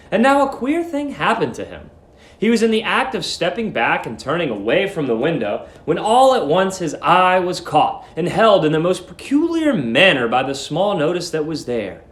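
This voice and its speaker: High-pitched, theatrical male storyteller in echoey room. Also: a bit bright. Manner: theatrical, deliberate emphasis. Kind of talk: dramatic storybook narration.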